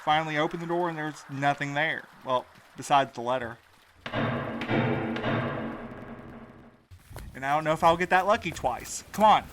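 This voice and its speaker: A man's voice: a little high, fast talker, a bit bright, a little hiss or hum, natural voice. An actor playing a sardonic, anxious and loyal young married man in an audio drama, with a blunt, snappy manner. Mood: uneasy.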